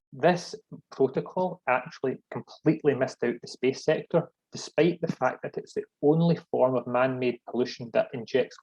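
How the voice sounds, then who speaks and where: A man with a thick, broad Scottish accent giving a deliberate, explanatory webinar presentation. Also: mid-range voice, a little mellow. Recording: dull, lo-fi online call audio.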